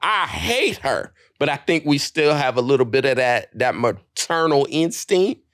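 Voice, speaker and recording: Animated, profane man on a podcast. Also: medium pitch, clear, resonant tone, no echo, studio quality. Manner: animated, profane storytelling with quick voiced asides. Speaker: podcast co-host. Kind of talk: casual chat.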